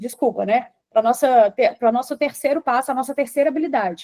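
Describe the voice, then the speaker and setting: A woman with a high pitch talks at a moderate pace in a dry, close sound with no echo. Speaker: English teacher and environmental engineer. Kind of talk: interview talk explaining language learning.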